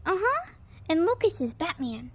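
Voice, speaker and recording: A bubbly little girl in an audio drama, out trick-or-treating. The voice is extremely high and swoops up and down. She is chatty and blunt in a childlike way. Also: sing-song, moderate pace. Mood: proud, excited.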